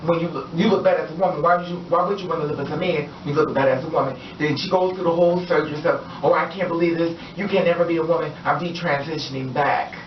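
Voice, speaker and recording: A woman's voice: deep voice, steady tone, fast, hardly any pauses, slight background noise. A woman vlogger giving her opinions in a casual monologue, emphatic and repetitive, preaching encouragement. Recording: roomy, distant, dull lo-fi audio.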